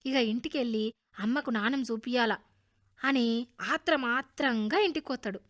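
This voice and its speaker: A woman with a Telangana accent narrating a children's story on radio in a lively, homely dialect. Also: a little high, normal speed, no room sound, studio quality. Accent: Telangana Telugu.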